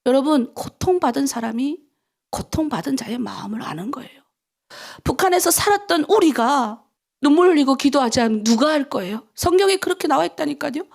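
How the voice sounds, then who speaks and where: At an early-morning prayer service, a middle-aged female pastor from North Korea preaches with fervor in a high voice with a gravelly, fried edge. Her intonation is lively and her pace fairly quick as she drops into hushed whispers and swells into pleading cries.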